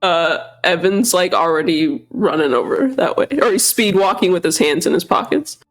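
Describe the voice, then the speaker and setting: A woman's voice: on the low side, moderate pace, faint music behind. A woman playing in a tabletop game, chatting casually and partly in character.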